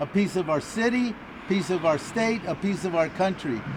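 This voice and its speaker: A man with an American accent talks at a moderate pace in a high, animated voice. Noticeable background noise and audible room echo surround him. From Los Angeles, San Fernando Valley (Pacoima). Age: 70s. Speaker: community nonprofit leader. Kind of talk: press conference speech. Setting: high school event.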